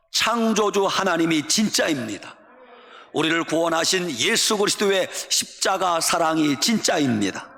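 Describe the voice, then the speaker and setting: A male pastor preaching a sermon in a church sanctuary, emphatic, with sing-song rises at his high points. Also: bright, forceful tone. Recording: long church hall reverb.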